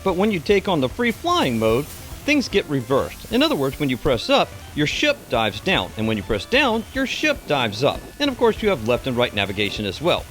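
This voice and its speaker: Male reviewer, middle-aged, very animated and enthusiastic scripted delivery, slightly high voice, over background music. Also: normal speed. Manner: enthusiastic presenter. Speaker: video game reviewer and presenter. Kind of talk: scripted video review narration.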